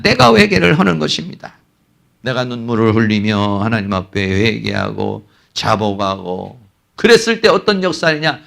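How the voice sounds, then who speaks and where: An older man delivers a church sermon in a bright, fairly high voice that swings widely up and down. He presses each point with questions he answers himself. The delivery is emphatic and earnest. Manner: emphatic, asks rhetorical questions and answers them. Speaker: pastor. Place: church sanctuary.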